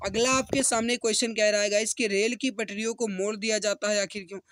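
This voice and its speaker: A man's voice: high-pitched, steady tone, fast, fairly bright tone. A man teaching as an exam coach, walking students through questions and answers in an instructional way, often addressing them directly.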